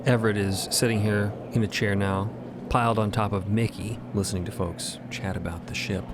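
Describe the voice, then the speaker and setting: Low, creaky-voiced man narrating a story. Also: steady tone, normal speed, noisy background. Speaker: podcast narrator.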